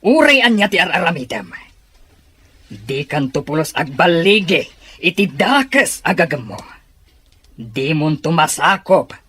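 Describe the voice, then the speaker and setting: A man's voice: fairly high pitch, very animated, unhurried, pauses often, sharp tone, full character voice. A man playing a proud captive tribal leader in a drama, defiant and emphatic as he challenges his enemy. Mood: resolute, defiant.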